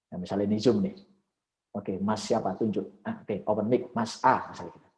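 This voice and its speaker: A man coaching public speaking on a video call, with lively swings of intonation and frequent exclamations. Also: lowish voice, brisk. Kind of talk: coaching session with live speech demos. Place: online video call session.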